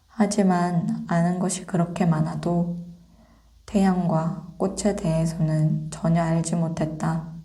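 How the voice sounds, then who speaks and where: A woman reading a fairy tale as ASMR in a soft, breathy, whispery low voice, gently and without hurry. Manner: slow, gentle, unhurried. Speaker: ASMR storyteller.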